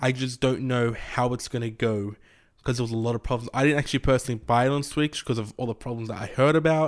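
A man speaks very fast with fairly even intonation and a medium pitch, on a very clean recording with a silent background. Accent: Australian. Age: 20s. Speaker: video game podcaster. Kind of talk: solo podcast monologue. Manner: casual, halting with fillers.

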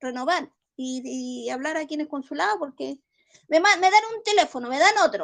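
A woman speaks in a high pitch, her voice swinging very widely up and down. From Chile. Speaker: caller, returned migrant. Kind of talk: casual opinion in group call. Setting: online voice chat.

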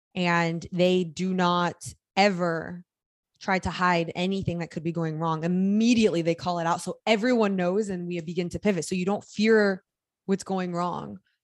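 A woman's animated, fairly low voice at a moderate pace, with a quiet background. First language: Spanish. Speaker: podcast co-host. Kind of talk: casual chat.

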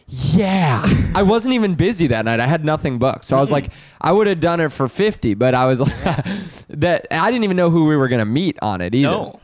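A man with a fairly high pitch talks at a fairly quick pace, his pitch swinging very widely while his loudness stays very even, against noticeable background noise. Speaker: podcast host. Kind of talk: casual comedy banter. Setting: studio. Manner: joking, riffing.

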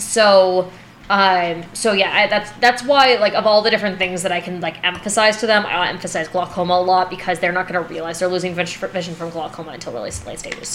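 Over noticeable background noise, a woman with a medium pitch talks fairly quickly with hardly any pauses, her intonation fairly even but her loudness swinging widely. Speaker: optometrist, podcast guest. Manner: fast talker.

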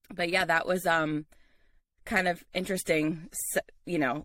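A woman speaks with an American accent in a fairly low pitch and a bright, sharp tone. The recording is very clean with a silent background. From New York. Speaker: voice actor and musician. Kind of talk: casual chat.

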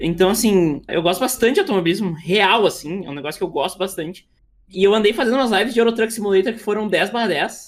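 A woman speaks very fast at a medium pitch. Her pitch variation is ordinary. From Rio Grande do Sul, Brazil (Montenegro). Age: 20s. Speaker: podcaster and streamer. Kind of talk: casual interview on a live stream. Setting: live stream.

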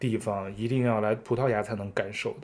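On a very clean recording with a silent background, a man with an unremarkable speaking voice talks at a fairly quick pace and a medium pitch. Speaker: podcast host. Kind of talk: casual chat interview. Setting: recorded at a friend's home in Lisbon.

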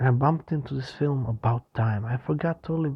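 A somewhat breathy man's voice at a medium pitch and moderate pace, with ordinary pitch variation. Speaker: personal audio diarist. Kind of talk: personal monologue addressed to a loved one. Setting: quiet countryside house at night. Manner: halting.

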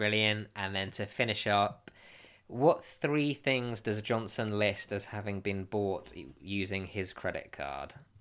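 Here a man speaks with a British accent at a fairly slow pace. His pitch is fairly low with ordinary variation. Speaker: podcast co-host. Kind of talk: casual chat, sitcom review.

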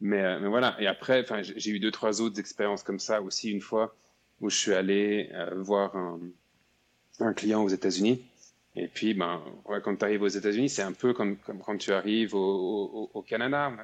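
Fairly low in pitch, a man talks at a moderate pace with fairly even intonation. His speech has long, frequent pauses. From Switzerland. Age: 40s. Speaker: travel consultant. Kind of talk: interview.

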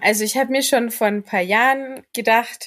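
The woman's voice is high in pitch and shows ordinary pitch variation. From Bavaria, Upper Palatinate. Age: 20s. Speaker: property investor and civil servant. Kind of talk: interview.

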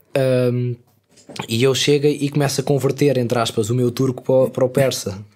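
Speaking at a moderate pace in a European Portuguese accent, the voice stays monotone and flat, with very even loudness. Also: man, medium pitch for a man. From Portugal. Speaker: traveller. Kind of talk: casual chat.

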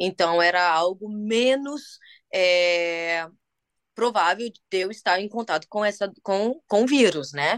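A woman speaks very slowly at a medium pitch. Her intonation is lively. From Brazil, Vitória, Espírito Santo. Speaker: businesswoman. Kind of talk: interview. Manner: halting, many fillers; animated.

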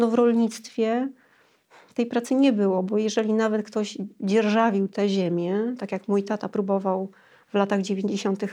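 The intonation stays fairly even. The tone is dark and mellow. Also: woman, fairly high pitch for a woman, fairly slow pace, quiet background. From Poland, Warmia and Masuria. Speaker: journalist. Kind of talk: interview.

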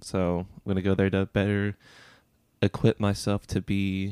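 A man's fairly low, dark, mellow voice in a monotone, flat intonation at a moderate pace, with a dry, close sound, no echo, and a very clean recording over a silent background. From New Orleans. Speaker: graduating college student. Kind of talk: casual interview chat.

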